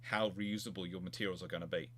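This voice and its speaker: A man hosting an informal expert chat, answering questions in a halting way with frequent restarts. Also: sits low, steady tone, a bit bright, slight background noise. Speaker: host of a naval history live chat.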